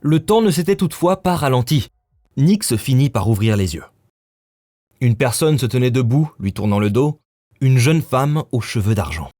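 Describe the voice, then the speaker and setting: A man's voice: mid-range voice, animated, normal speed, dark tone. A man reading scripted, dramatic story narration as the narrator.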